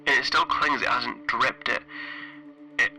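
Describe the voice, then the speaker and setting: A man playing a weary, frightened spaceship engineer in a solo role-playing game, recording a halting, hesitant audio log. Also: mid-range voice, fairly even intonation, sharp tone, faint music behind, low-quality recording. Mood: uneasy, haunted. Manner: hesitant, halting, broken phrasing.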